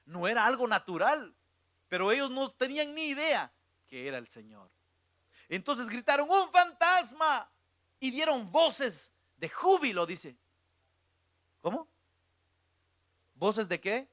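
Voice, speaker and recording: A middle-aged male preacher, his voice high-pitched and bright. He tells the story dramatically, dropping to a hush and swelling again, and the recording is dry and close. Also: dry recording. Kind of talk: sermon.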